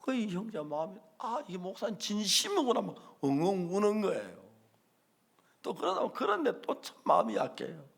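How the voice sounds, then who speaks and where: A middle-aged man, preaching a sermon as a pastor and telling stories with acted-out dialogue and sudden loud bursts. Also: high-pitched, very animated, normal speed, vocal fry, husky.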